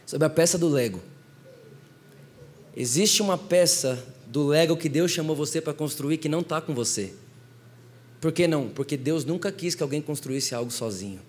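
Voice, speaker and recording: A young man with a Brazilian Portuguese accent preaching a sermon, telling stories in an animated way and talking straight to the congregation. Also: on the high side, normal speed. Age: young adult.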